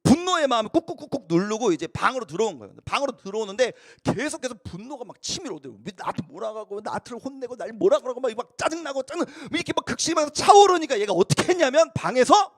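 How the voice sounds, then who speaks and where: Lively high-voiced youth pastor, a man. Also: quick pace, hardly any pauses, dry recording, clean studio sound. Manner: animated storytelling, acts out quoted lines. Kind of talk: casual youth sermon.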